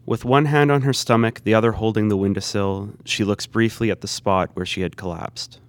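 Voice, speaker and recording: A man's voice: fairly low pitch, fairly even intonation, brisk, clear, resonant tone. A man giving scripted narration, reading the stage directions of a play.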